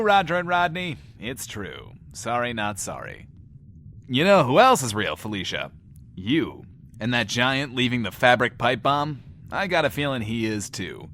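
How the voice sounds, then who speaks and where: An actor playing a cheeky, theatrical radio show host in a post-apocalyptic audio drama, playful and teasing with mock indignation. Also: male voice, medium pitch, very animated, a little slow, a bit bright.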